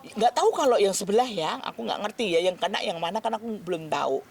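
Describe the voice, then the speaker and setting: Woman, gravelly mid-pitched voice, earnest halting guest. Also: animated, darkish tone. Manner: earnest and halting, often restarting words. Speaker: celebrity guest being interviewed. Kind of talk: emotional interview talk.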